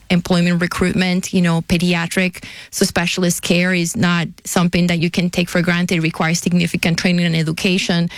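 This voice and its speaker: A woman's voice: on the low side, dry recording. Middle-aged Puerto Rican-accented woman, earnest interview guest, dry close sound. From Puerto Rico. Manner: earnest, repeats words while building thoughts. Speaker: pediatrician and nonprofit CEO, interview guest. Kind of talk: interview answers.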